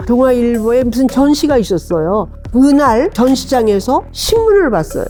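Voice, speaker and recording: Very wide pitch swings at a moderate pace, over music in the background. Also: woman, high pitch for a woman. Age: 80s+. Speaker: painter. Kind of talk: interview answer.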